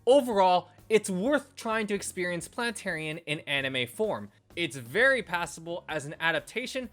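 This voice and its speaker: A man's voice: sits high, big pitch swings, moderate pace, a bit bright. A man reading a scripted anime video review as a reviewer, with music playing behind him. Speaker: anime and visual novel reviewer. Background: background music.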